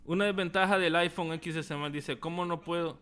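A man's voice: fairly high pitch, fairly even intonation, normal speed, pushed and bright, smooth. A young man with a Salvadoran Spanish accent, casually reading viewer chat aloud on a tech livestream, laughing often. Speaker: tech YouTuber. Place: small room indoors.

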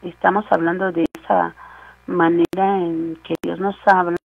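A woman gives a radio sermon and often turns to her listeners with questions and asides. Her voice at a middle pitch has a gravelly, fry-edged texture. It is recorded dry and close, with no room echo. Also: flat delivery, measured pace. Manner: warm, conversational, with asides and rhetorical questions. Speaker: radio program preacher.

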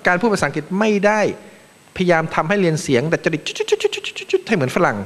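A Thai man from Thailand, a panel speaker giving a joking, animated seminar talk in a large conference room. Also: high voice, very fast. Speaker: panel speaker, acting vice president. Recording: long reverb of a large hall.

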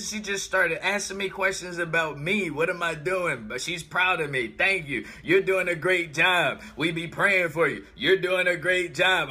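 An American man in his thirties chatting casually on a livestream, thinking out loud and telling stories with animated, emphatic repetition. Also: sits high, slightly rough. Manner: animated storytelling, repeats himself for emphasis. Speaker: vlogger. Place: small room indoors.

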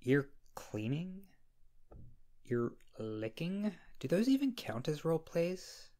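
A man playing a needy, flustered young friend in an intimate ASMR roleplay, speaking softly and hesitantly in a creaky voice. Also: a little high, big pitch swings. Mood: sheepish, musing. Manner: hesitant, slow, halting, sheepish. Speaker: roleplay audio creator playing a character. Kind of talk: wholesome ASMR roleplay acting, intimate one-sided dialogue.

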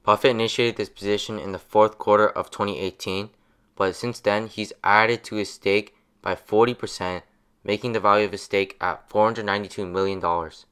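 A young adult man giving a steady, scripted voice-over that explains stock picks. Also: fairly low pitch, fairly quick, clean tone. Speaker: finance channel narrator.

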